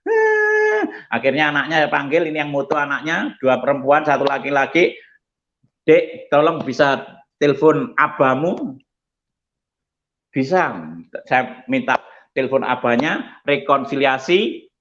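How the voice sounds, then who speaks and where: A male pastor giving an animated testimony sermon, telling stories and acting out the people in them. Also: on the high side, a little slow, highs cut off. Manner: animated storytelling, acts out quoted voices.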